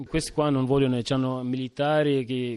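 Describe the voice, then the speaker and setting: At a fairly quick pace, a man talks at a medium pitch, with a dry, close sound and no echo. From Turkish Kurdistan. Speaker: political refugee. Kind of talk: interview testimony. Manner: halting.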